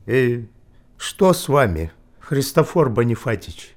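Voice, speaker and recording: An actor playing an earnest, literal-minded first mate of a ship in a theatrical audio drama, speaking in official phrases. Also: male voice, medium pitch, big pitch swings, slow, slight background noise. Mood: hesitant, puzzled.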